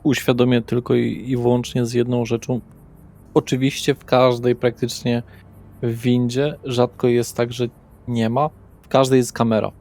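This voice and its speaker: A man's voice: medium pitch, level tone, moderate pace, a little mellow. A man acting as game master, narrating and refereeing a tabletop horror role-playing session.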